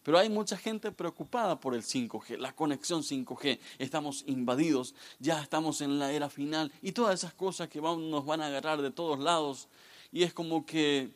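A man in his thirties, a guest pastor, giving a lively, joking youth sermon straight to the audience. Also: a little high, moderate pace. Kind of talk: youth sermon with humorous stories.

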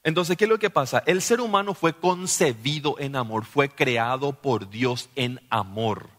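Man, pastor, sermon, bright ringing voice, long hall reverb. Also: mid-range voice, measured pace. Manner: animated preaching, often asks listeners "¿sí?".

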